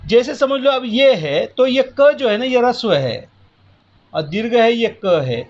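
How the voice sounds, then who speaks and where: A man with a high voice teaches a class from the board, explaining slowly and patiently one step at a time. The recording is muffled and lo-fi. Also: very animated. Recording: muffled lo-fi audio.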